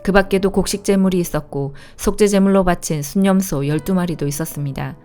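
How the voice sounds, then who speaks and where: A woman giving a calm, measured reading of scripture aloud. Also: fairly low pitch. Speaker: Bible reader. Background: faint instrumental music.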